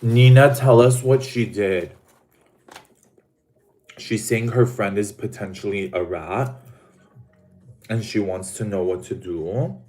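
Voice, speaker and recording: Slow, camp man chatting on a livestream. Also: on the low side, mellow. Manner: dramatic, camp, drawn-out addressing of viewers; eating while talking. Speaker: livestream host. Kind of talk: casual livestream chat.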